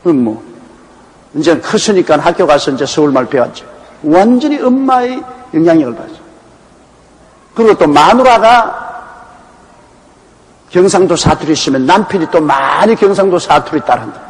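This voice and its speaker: Higher-voiced male preacher in echoey hall. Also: expressive, moderate pace, long pauses. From Gyeongsang province, Korea. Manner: folksy storytelling with anecdotes. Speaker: pastor. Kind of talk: Bible exposition sermon. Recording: echoey hall with faint background noise.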